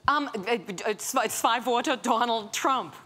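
A woman's voice: fairly high pitch, noisy background. A middle-aged woman from the US, a native English speaker, chatting in German with an American accent and searching for words. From United States. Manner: halting, searching for words with learner's grammar. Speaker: show panelist. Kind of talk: casual chat.

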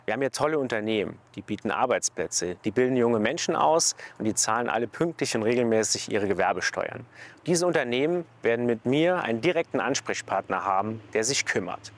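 A man, speaking confidently and briskly as a mayoral candidate. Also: mid-range voice, expressive. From northern Saarland, Germany. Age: 30s. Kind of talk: campaign interview statement.

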